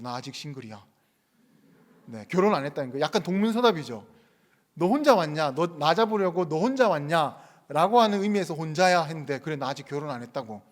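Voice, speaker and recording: A man's voice: fairly high pitch, long reverb tail. A male pastor preaching a sermon, chatty and storytelling at first, then earnest and urging. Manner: conversational storytelling, rising to earnest exhortation. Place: church sanctuary.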